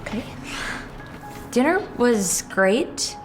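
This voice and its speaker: A woman's voice: fairly high pitch, very animated, very slow, exaggerated voice. An actress playing an anxious young mother who protects her son, talking tensely and pleadingly. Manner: tense, pleading, hushed at times. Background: music.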